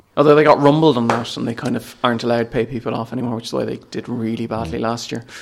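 Very fast talk from a man with an Irish accent, hardly any pauses, and fairly even intonation. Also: medium pitch for a man. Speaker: Eurovision commentator. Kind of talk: casual interview.

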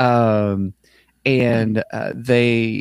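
This is a man's voice, pitched in the middle range. Recorded dry and close, it carries no echo. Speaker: podcast co-host. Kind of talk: casual chat. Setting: live stream with chat.

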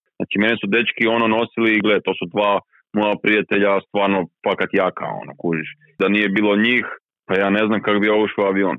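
At a fairly quick pace, a man speaks with a fairly low pitch and monotone, flat intonation. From Croatia, Zagreb. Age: 30s. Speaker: quadriplegic traveller and blogger. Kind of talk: podcast interview.

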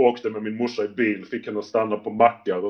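A man speaks at a fairly low pitch. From Skåne, Sweden (Lund). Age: 30s. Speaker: graffiti artist. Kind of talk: casual interview.

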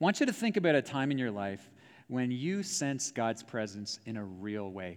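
On a very clean recording with a silent background, a man with a Canadian accent speaks at medium pitch with very wide pitch swings. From Canada. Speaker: theology professor, guest preacher. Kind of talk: sermon. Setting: church.

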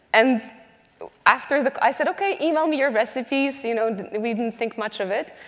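A woman's high voice at a fairly quick pace, with ordinary pitch variation and noticeable background noise. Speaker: foundation director and moderator. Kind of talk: onstage interview. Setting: stage with audience.

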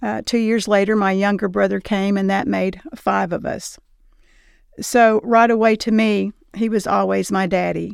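This speaker has a Tennessee accent and talks at a moderate pace. The recording is very clean, with a silent background. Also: woman. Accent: US Southern (Tennessee). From Tennessee, Tullahoma. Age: 70s. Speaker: church member, house cleaner and caregiver. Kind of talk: personal faith testimony.

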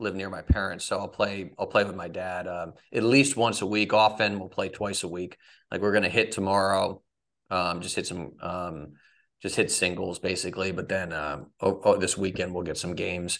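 With a Mid-Atlantic American accent, a man speaks at a moderate pace in a fairly low pitch with fairly even intonation and a bright, sharp tone against a quiet background. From Washington, D.C. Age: 40s. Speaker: tennis coach and content creator. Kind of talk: casual chat.

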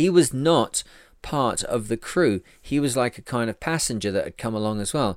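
A man speaks in a normal speaking voice at a medium pitch, a moderate pace and with lively intonation. The recording is very clean, with a silent background. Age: 40s. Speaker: sailing podcast host. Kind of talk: solo educational talk.

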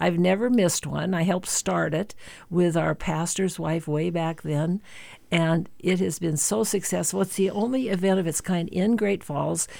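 A woman with an American accent speaks at a moderate pace and a fairly low pitch, her dark, mellow tone edged with vocal fry, on a very clean recording with a silent background. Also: ordinary pitch variation. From Montana, Helena. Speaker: community event organizer. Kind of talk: radio interview. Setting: studio.

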